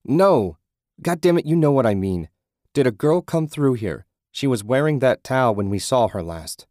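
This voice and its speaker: A man voicing a desperate young man who is shouting questions about a missing friend. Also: mid-range voice, normal speed, no room sound, studio quality, pitched above the performer's own voice, lightly acted. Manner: urgent, shouting.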